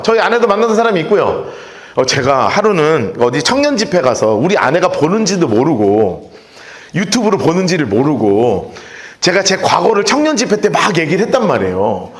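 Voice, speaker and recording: A man's voice: a little high, moderate pace, roomy sound. A middle-aged man preaching a sermon as a pastor, telling stories and acting out quoted voices. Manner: lively storytelling with acted-out quotes. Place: church sanctuary.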